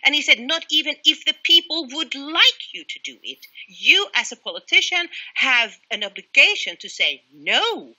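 Middle-aged Swedish woman, very bright voice. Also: high voice, big pitch swings, normal speed, hardly any pauses. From Sweden. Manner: emphatic, opinionated, with frequent restarts. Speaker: guest. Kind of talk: interview answers. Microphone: headset on a video call.

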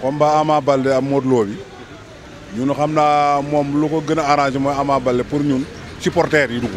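A middle-aged Senegalese man giving his view in a street interview, speaking earnestly and sometimes halting while he searches for words. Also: mid-range voice, fairly even intonation, slight background noise. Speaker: local resident interviewee. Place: outdoors in front of a building. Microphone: handheld reporter mics held close.

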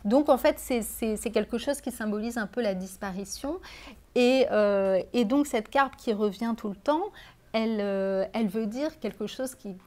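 A woman's voice: on the high side, moderate pace, dark tone. A middle-aged woman author speaking at a bookshop reading, hesitant, with many fillers and restarts. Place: bookshop reading event, indoors.

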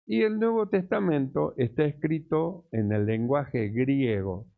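A man preaching a sermon as pastor, teaching slowly and deliberately, repeating key words. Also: a little high, animated, vocal fry, narrow, tinny audio. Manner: slow, deliberate teaching with repetitions.

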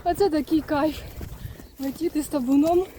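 A woman's voice: sits high, fairly even intonation, moderate pace. A woman riding a horse outdoors in the countryside, calling out to her horses, urging them on and soothing them as she vlogs. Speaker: horse owner vlogger. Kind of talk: casual vlog narration while riding. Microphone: camera carried while riding. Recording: loud outdoor noise, hoofbeats. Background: loud hoofbeats and outdoor noise.

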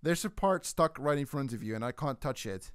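A man's voice: medium pitch, expressive, a little fast, clear, resonant tone, dry recording, studio quality. A young man whose first language is Swedish, from Finland, casually chatting and joking while playing a VR game with a friend. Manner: joking, swears, laughs a lot. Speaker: gaming channel host. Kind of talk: casual co-op gameplay chat.

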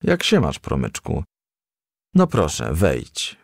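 A man voicing a stern, fatherly male firefly who admonishes in measured storybook dialogue. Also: extremely low pitch, wildly swooping pitch, gravelly, no echo, studio quality, voice pushed down, heavily acted. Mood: welcoming.

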